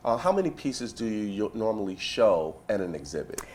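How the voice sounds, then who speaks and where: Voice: medium pitch, very animated, brisk, a little mellow. An infomercial host interviewing in a conversational, effusive way, often affirming the guest.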